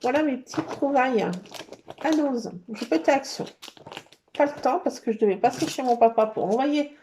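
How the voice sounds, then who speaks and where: A middle-aged woman chatting casually as she shows her scrapbooking work and supplies, rambling and pausing often. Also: sits high, a little mellow, a little hiss or hum. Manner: chatty, rambling, full of hesitations. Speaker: scrapbooking vlogger. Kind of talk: casual show-and-tell chat.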